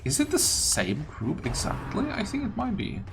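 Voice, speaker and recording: A man's voice: high-pitched, wildly swooping pitch, moderate pace. A man giving casual gameplay commentary, thinking aloud and muttering questions to himself as he plays. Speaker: gaming video host. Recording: game music behind the voice. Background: video game music.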